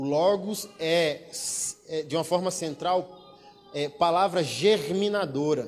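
A man's animated, high-pitched voice against noticeable background noise. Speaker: preacher. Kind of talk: sermon, preaching to a congregation with scripture reading and teaching. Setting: church. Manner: animated, conversational, humorous asides.

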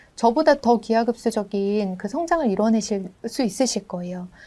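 Lively intonation from a woman at a fairly high pitch, dark and mellow in tone, at a moderate pace on a very clean recording with a silent background. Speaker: author and investor. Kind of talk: interview.

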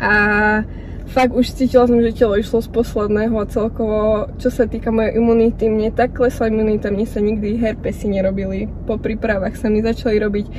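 Over noticeable background noise, a woman speaks at a fairly quick pace. Her fairly high pitch stays monotone and flat. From central Slovakia, Revúca. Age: 20s. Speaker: fitness athlete and student. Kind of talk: interview.

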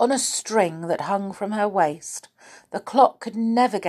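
The reading is aloud and in a natural voice. Pitch shifts in an ordinary way.

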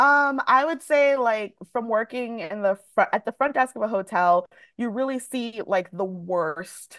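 In an ordinary speaking voice, a woman with an American accent talks at a fairly slow pace, her fairly high pitch carrying lively intonation. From Jamaica, raised in the US. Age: 30s. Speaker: author. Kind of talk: casual interview chat.

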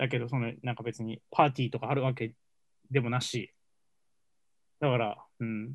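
At a moderate pace, a man talks at medium pitch with fairly even intonation. His long pauses come often, against a quiet background. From Japan, Gunma. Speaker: advertising planner, podcast co-host. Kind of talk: casual chat. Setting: remote call.

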